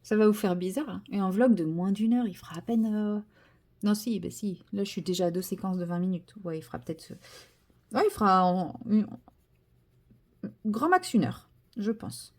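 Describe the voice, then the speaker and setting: A woman's voice: mid-range voice, animated, normal speed. A woman vlogging casually from home, chatty and hesitant with many fillers and self-corrections, turning enthusiastic as she shows a craft kit. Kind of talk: casual vlog chat.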